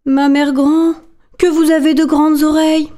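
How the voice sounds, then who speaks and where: Woman playing a little storybook girl, high and bright, raised loud voice, innocent. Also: level tone, a little slow. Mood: wondering. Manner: high, bright, wide-eyed.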